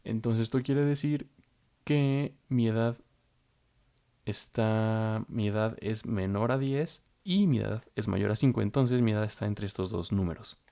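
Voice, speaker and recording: Male coding instructor, lowish mellow voice, patient step-by-step delivery. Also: a little slow, vocal fry. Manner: explains step by step while thinking aloud. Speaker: programming instructor. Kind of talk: screen-recorded coding tutorial.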